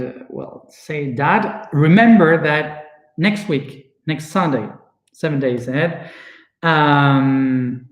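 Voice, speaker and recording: Argentine-accented young man, slow and halting, echoey room, mid pitch. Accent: Argentine Spanish. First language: Spanish. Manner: searching for words, many fillers and restarts. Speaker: spiritual speaker. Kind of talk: casual personal monologue.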